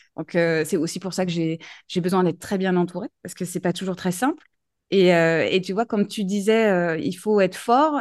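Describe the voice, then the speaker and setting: Against a quiet background, a woman talks at a moderate pace. Her pitch is medium, with ordinary pitch variation. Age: 40s. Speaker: business owner. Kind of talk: interview. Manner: halting.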